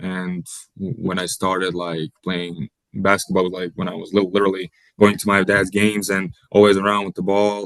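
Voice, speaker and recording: Someone with a Bosnian accent speaks at a moderate pace with fairly even intonation. The recording is dry and close, with no echo. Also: man. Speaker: college basketball player. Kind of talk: interview. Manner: halting, many repetitions.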